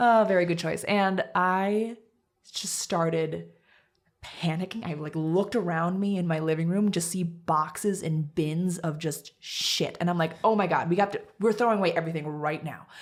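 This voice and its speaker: A woman with a normal speaking voice and an American accent speaks at a moderate pace with fairly even intonation and fairly low pitch, on a very clean recording with a silent background. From Minnesota. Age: 30s. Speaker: hand-lettering artist and blogger. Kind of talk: casual interview chat.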